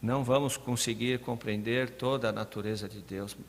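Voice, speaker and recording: A man preaching a sermon as pastor, fervently addressing his congregation, rising to loud emphasis and dropping to soft, quiet phrases. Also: medium pitch, steady tone, moderate pace, vocal fry. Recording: long hall reverb, faint background noise.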